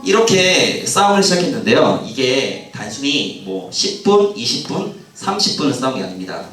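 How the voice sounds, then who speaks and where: A man giving a lively history lecture, who asks the audience questions and acts out the lines of the people in his story. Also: medium pitch, normal speed, faint music behind. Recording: roomy hall sound, mic at a distance.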